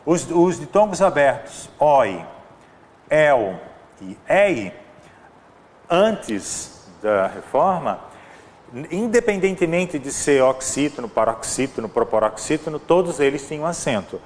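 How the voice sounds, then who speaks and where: A man's voice: a little high, sing-song, takes it slowly, a little mellow, slight background noise. Brazilian man teaching grammar, reverberant room. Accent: Brazilian Portuguese. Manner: explanatory, repeats examples, frequent "né?" and "ó". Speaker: Portuguese language teacher. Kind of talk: exam-prep grammar lesson.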